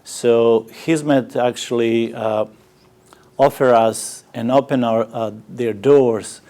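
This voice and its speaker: A middle-aged man from Sarajevo with a Bosnian accent, speaking English in a halting way with many "uh" fillers as he tells his story in an interview. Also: medium pitch, steady tone, mellow. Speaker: interviewee, community organizer. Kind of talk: personal testimony in an interview.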